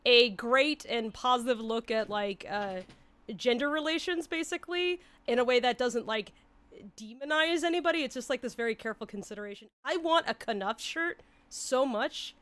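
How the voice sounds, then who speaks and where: A high, bright-voiced woman co-hosting a live stream. She talks with eager energy and breaks into laughter easily. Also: clear, resonant tone, no echo. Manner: enthusiastic, quick to laugh. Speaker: co-host. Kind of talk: casual livestream chat.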